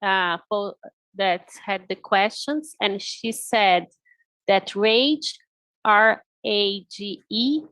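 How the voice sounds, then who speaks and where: A woman's voice: medium pitch, drawn-out words, fairly bright tone, no room sound. A woman moderating an online lecture, reading out audience questions carefully. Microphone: video call.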